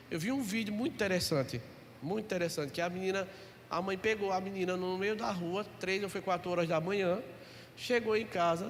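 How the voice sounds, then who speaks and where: A man, a pastor preaching a sermon and telling stories with acted-out dialogue and jokes. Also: high voice. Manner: storytelling, acts out dialogue, jokes. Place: church. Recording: echoey church hall, faint noise.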